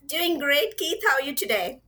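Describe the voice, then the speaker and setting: A woman's voice: high voice, animated, moderate pace, sharp tone. A woman guest speaking from a home office on a video call, explaining her expertise fluently and with assurance. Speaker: guest, author and AI ethics expert. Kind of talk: interview answers.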